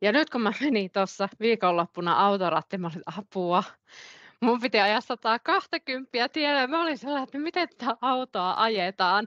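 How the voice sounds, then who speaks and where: With an Oulu accent, a woman speaks at a moderate pace with lively intonation. The background is quiet, and the sound is dry and close with no echo. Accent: northern Finnish (Oulu) dialect. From Finland, Oulu. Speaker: trainer. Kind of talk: online training session. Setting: video call.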